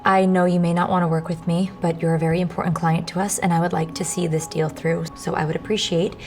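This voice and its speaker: A woman's voice: fairly low pitch, flat delivery, quick pace, close to an everyday voice. An actress playing an anxious young mother who protects her son, talking tensely and pleadingly. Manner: tense, pleading, hushed at times. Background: music.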